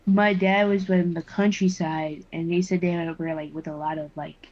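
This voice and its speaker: A woman's voice: fairly low pitch, steady tone, normal speed, a little mellow. Woman, voice chat guest, blunt dry humor, muffled lo-fi audio. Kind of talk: casual chat.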